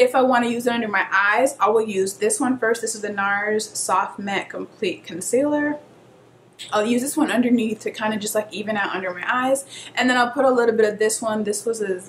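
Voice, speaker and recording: Noticeable background noise accompanies a woman speaking. Her pitch is fairly high and her pace fairly quick. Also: ordinary pitch variation. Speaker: beauty vlogger. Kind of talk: product recommendation tutorial. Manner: casual, chatty; fast.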